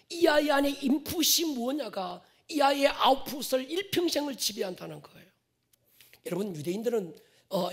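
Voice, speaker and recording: A male pastor preaching a sermon to his congregation, swinging from loud stressed phrases to whispered endings and drawing out key words. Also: extremely high pitch, husky. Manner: addresses the congregation directly, drawn-out stressed words.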